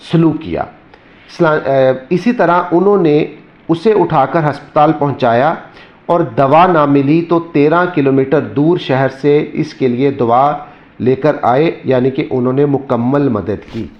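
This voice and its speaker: Man teaching a lesson, echoey lo-fi recording. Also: medium pitch. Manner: explains step by step, repeating sentences slowly. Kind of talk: classroom lesson explanation. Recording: echoey room, dull lo-fi sound.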